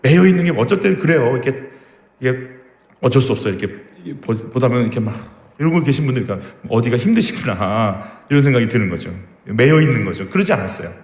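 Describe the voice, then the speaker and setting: A man preaching a sermon as pastor, talking in a conversational way and asking the congregation questions. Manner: acts out quoted voices with sharp drops in pitch and volume. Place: church sanctuary, echoey. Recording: echoey hall with long reverb.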